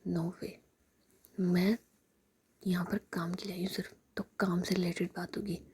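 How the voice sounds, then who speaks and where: A woman voicing a sharp-tongued, angry young female employee in a whispered role-play story. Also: lowish voice, level tone, moderate pace. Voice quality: breathy whisper.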